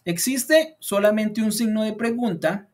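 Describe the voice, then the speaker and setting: A male teacher talks through an online beginner lesson, thinking aloud as he adjusts his slides. He leans on fillers and stretches out example sentences slowly so learners can follow the intonation. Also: high voice. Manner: thinks aloud while editing slides, many fillers like "pues" and "entonces"; slows down to model example sentences. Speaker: English teacher.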